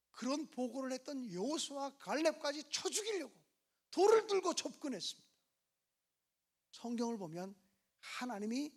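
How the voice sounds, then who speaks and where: A woman preacher delivering a revival sermon in a church, telling scripture stories dramatically and raising her voice for the big moments. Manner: dramatic, acting out biblical scenes with sudden rises in pitch and loudness. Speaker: guest preacher at a revival meeting.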